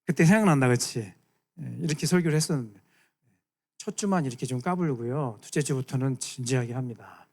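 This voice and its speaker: A man's voice: mid-range voice, fairly quick, darkish tone. A man preaching a playful sermon to students as their youth pastor, acting out voices and asking them questions.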